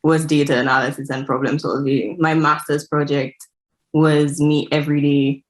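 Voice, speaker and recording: A young Saint Lucian woman speaks in a low voice, relaxed and frank as she answers interview questions. She talks things through in an easy, reflective way and keeps saying "like". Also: moderate pace. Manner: frank, reflective, says "like" often. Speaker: guest analytics specialist.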